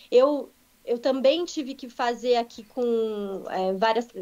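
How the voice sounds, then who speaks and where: Here a woman talks at a very slow pace. Her intonation is lively. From Brazil, interior of São Paulo state (Ourinhos). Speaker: social worker with immigrants, former journalist. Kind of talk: interview. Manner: halting, many restarts and fillers.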